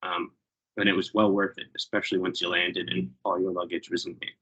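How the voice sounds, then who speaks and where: A man telling a personal story to an online meeting, reflective and a little halting. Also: sits low, flat delivery, sharp tone, breathy edge, lo-fi sound. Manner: reflective, with fillers and restarts. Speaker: meeting speaker. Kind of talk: personal story told to a group.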